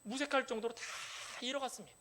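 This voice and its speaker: A male pastor preaching an impassioned sermon, swinging between loud cries and hushed pleas in a church. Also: extremely high pitch, fast talker. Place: church sanctuary.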